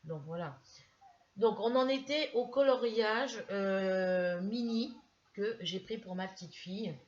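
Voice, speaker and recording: A woman's voice: medium pitch, slow pace, muffled recording. A middle-aged woman from France chatting casually in a haul video, hesitant and full of restarts as she shows a purchase. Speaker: craft vlogger.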